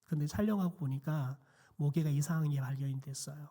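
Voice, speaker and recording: A middle-aged man, a pastor, preaching a quiet sermon in a church with a hoarse, nearly lost voice and many hesitant fillers. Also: on the high side, a little fast. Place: church sanctuary.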